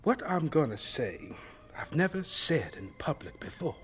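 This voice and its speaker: An actor playing a humble, devout elderly Black scientist in a radio drama. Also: male voice, on the high side, big pitch swings, moderate pace, a bit bright, a little hiss or hum. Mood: solemn, fervent.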